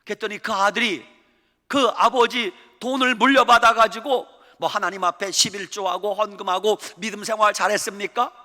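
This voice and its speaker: Man preaching with bright voice in a reverberant church. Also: high voice, moderate pace. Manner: animated storytelling, acting out voices of people in the stories; swings from loud exclaiming to hushed murmuring. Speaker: senior pastor. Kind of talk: Sunday sermon. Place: church sanctuary.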